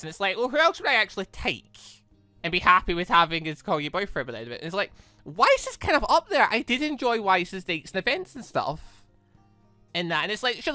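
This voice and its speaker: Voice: mid-range voice, sharp tone, no echo. A gaming video host giving casual, rambling commentary, thinking aloud while playing.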